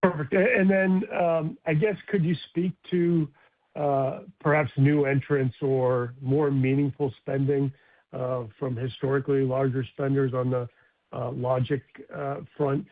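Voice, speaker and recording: A man's voice: mid-range voice, little pitch movement, measured pace, dry recording. A man asking questions as an analyst on an earnings call, polite and hesitant in his phrasing. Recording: dry, narrow phone line.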